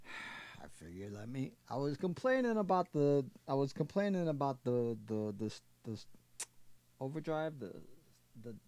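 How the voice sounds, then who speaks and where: At a moderate pace broken by long, frequent pauses, a man speaks in a fairly high pitch with very wide pitch swings and a dark, mellow tone. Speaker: guitar amp hobbyist. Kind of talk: casual talk to camera. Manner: low volume, mic lowered; rambling, profane. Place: home room.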